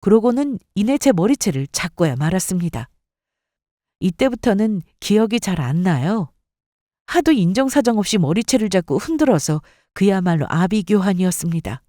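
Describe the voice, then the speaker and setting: A woman narrating a first-person drama story in an expressive, scripted style. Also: mid-range voice, normal speed, dry recording, clean studio sound.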